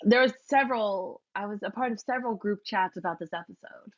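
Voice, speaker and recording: A woman co-hosting a casual podcast chat, with a voice in the middle range. She is lively, laughs often and chimes in quickly. The recording sounds somewhat dull. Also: medium pitch, a loud crowd. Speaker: podcast co-host.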